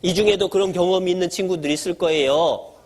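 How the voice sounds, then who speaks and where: A man preaching a sermon to children, animated, asking them questions and acting out small scenes of mother and baby. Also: high-pitched, quick pace. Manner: acts out mother and baby voices. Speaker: pastor.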